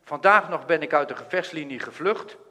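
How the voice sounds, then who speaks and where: A man's voice: a little high, a little fast, pushed and bright. A man reading the lines of a male messenger who has fled from battle, in a plain reading voice. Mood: grave. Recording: long hall reverb.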